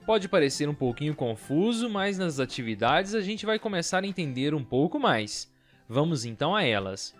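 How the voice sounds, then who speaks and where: A young man from Brazil, a teacher, talking kids through a school lesson in a lively sing-song voice. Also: a little high, moderate pace, soft background music. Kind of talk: lesson video for children.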